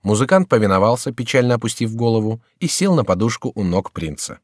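A man narrating an audiobook with an expressive, animated reading. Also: on the low side, fairly quick, dry recording, studio quality.

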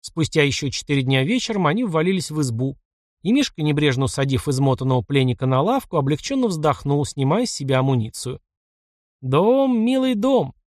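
A man narrating an audiobook in steady, even storytelling. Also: a little high, fast talker, dry recording, studio quality.

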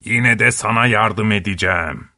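A wise old frog from a fairy tale speaks low and unhurried, voiced by a man narrating, hushed and grave in tone. The sound is dry and close, with no room around it. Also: no echo.

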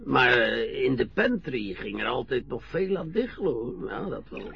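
An actor playing a proud old retired sea captain, dependent and easily tearful, with a halting, gruff, folksy way of talking in a radio play. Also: male voice, medium pitch, big pitch swings. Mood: reflective storytelling. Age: older. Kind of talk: naturalistic Dutch radio play acting. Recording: dull, muffled old radio recording.

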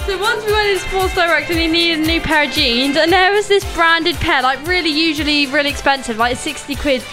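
A woman's voice: high voice, a little fast, over music. A British teenage girl on her brother's home radio show, cheeky and pestering, often giggling. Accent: British English. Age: teens. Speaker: host's sister, guest on the show. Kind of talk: casual cheeky banter. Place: home conservatory.

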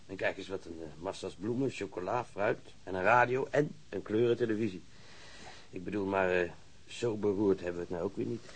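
A man playing a self-assured wounded policeman in a radio drama, matter-of-fact, pausing as he recalls. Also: low-pitched, husky. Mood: wry, proud. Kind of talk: naturalistic radio drama acting.

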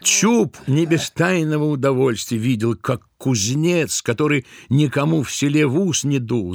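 A man narrating a literary tale for an audio play, expressively, with drawn-out emphatic words. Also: a little high, no echo, studio quality.

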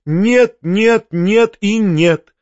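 A shrill, breathless old maiden lady, as a male reader puts her on, gushing and pleading in a raised voice. The recording is dull and dry. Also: drawn-out words, darkish tone, dry recording. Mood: ecstatic pleading.

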